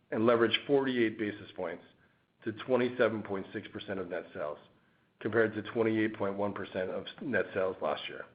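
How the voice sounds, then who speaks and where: Male corporate finance presenter, fairly low voice, formal measured read of a prepared report, muffled lo-fi conference-call sound. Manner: formal, measured reading of figures. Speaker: company finance executive. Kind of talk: scripted earnings-call presentation. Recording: dull, lo-fi conference call audio.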